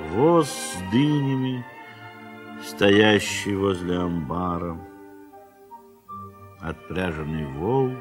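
A man narrates a classic tale in a deliberate, very slow and expressive reading, his voice sitting a little low. Instrumental music plays clearly behind him throughout. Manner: measured, expressive reading with wide swells in pitch and volume. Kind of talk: 1970s audio drama literary narration.

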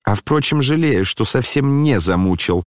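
A man's voice: mid-range voice, lively intonation, normal speed, no room sound, studio quality, pitched above the performer's own voice, lightly acted. A man voicing a feverish young man in a dramatic audiobook, speaking in a shaky, accusing way that breaks on each word. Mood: trembling.

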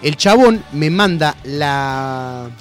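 Lively high-voiced Argentine man telling stories. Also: very slow, faint music behind. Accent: Argentine Rioplatense Spanish. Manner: animated, laughing, heavy slang. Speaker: radio show host. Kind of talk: casual storytelling. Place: radio studio.

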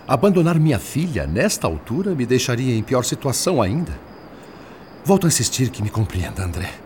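A man's voice: medium pitch, huge pitch swings, brisk, a little mellow, a little hiss or hum. A man with a Brazilian Portuguese accent playing a troubled spirit father who earnestly confesses his struggle in a radio drama. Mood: earnest, anguished. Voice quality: earnest, pleading. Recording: radio play with faint music.

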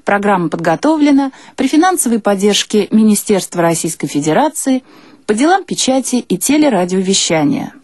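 A woman's voice: medium pitch, big pitch swings, a little fast, darkish tone, no echo, clean studio sound. A woman reading a scripted broadcast announcement as a radio programme announcer.

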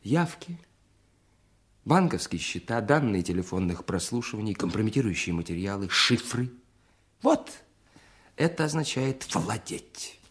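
An actor in an audio play voicing a cunning, embittered spy with a deliberate, theatrical delivery that moves between hushed and emphatic. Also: male voice, on the low side, big pitch swings. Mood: coldly demanding. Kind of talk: dramatic audio play acting. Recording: music under the voice. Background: music.

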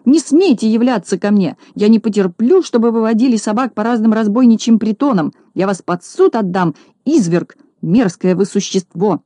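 A woman's voice: fairly low pitch, animated, a little slow, few pauses, warm tone, slightly rough, no room sound. A woman voicing a fussy, hysterical rich lady in a storybook reading, shrieking and scolding. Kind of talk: audiobook character voice.

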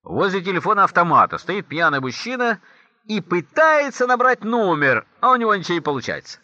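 A man tells comic anecdotes and acts out each character. His voice is bright and swings up and down. The recording is dry and sounds dull and lo-fi. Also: sits high, very animated, a little fast, dry recording. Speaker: joke teller.

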